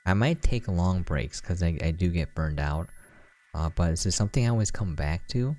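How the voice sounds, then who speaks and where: A man's voice: low-pitched, expressive, moderate pace, a little mellow. A man giving casual, unscripted gameplay commentary as a channel host, talking in a rambling, chatty way. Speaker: video game reviewer and channel host. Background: background music.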